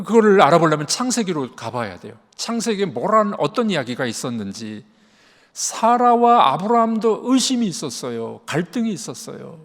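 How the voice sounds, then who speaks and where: Animated preacher in a reverberant church. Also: male voice, sits high. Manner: animated, acts out dialogue with God and Sarah. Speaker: senior pastor. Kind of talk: sermon. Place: church sanctuary.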